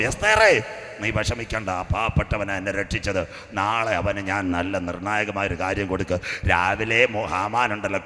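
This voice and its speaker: A man preaching a sermon, telling a story with acted-out characters and climbing to shouted declarations. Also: on the low side. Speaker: pastor. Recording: echoey hall with long reverb.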